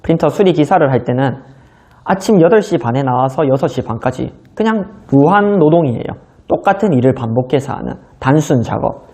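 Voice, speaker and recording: A man's voice: mid-range voice, animated, a little fast, dark tone. A man in his thirties giving a motivational business lecture, telling his own story in a conversational way. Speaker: business seminar speaker.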